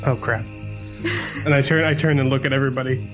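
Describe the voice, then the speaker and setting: A man's voice: medium pitch, fairly even intonation, fast, music in the background, low-quality recording. A man playing a tabletop game, improvising casually in character with a hesitant, good-humored manner.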